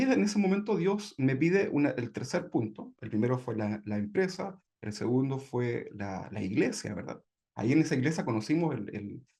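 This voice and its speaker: A man's voice: mid-range voice, gravelly, a little mellow. A man from Chile sharing his personal testimony in a conversational way, often checking in with tag questions. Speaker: church member giving testimony.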